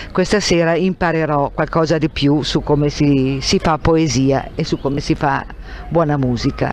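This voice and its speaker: Very deep and low in pitch, a woman talks at a fairly slow pace with very even loudness. The sound is dry with no echo, over light background noise. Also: fairly even intonation. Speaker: volunteer presenter. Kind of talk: reading aloud. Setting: stage with audience. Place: tent. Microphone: handheld.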